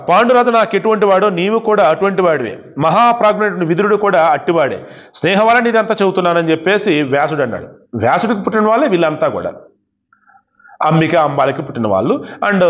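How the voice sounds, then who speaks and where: A man with a high, light voice tells an old devotional epic, reading a passage and then breaking it down in casual spoken terms. The recording is dull and lo-fi. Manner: reads verses then explains them in everyday speech. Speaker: devotional storyteller. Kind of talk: retelling an epic with casual commentary.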